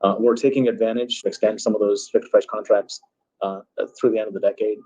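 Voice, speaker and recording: A man's voice: on the low side, little pitch movement, fairly quick, warm tone. A man speaking as a company executive, giving an unscripted answer on an earnings call with muffled audio. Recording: muffled, band-limited conference call audio.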